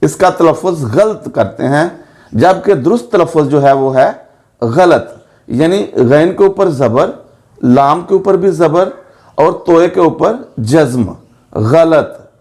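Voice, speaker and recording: A man teaching Urdu pronunciation and spelling, speaking slowly and deliberately and spelling out each vowel mark. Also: a little high, a little mellow. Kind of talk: pronunciation lesson.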